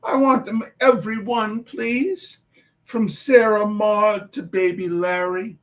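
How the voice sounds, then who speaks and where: A man's voice: high voice, steady tone, takes it slowly, voice pushed up. A man voicing a young girl who reads out a polite, careful invitation letter. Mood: polite, earnest. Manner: prim, careful letter reading. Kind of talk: storybook reading.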